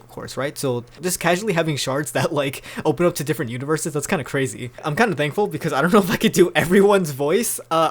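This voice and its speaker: A young man hosting a fan fiction reading, moving between narration and chatty, animated reactions. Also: a little high. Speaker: video host reading fan fiction aloud. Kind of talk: casual storybook reading with chatty commentary.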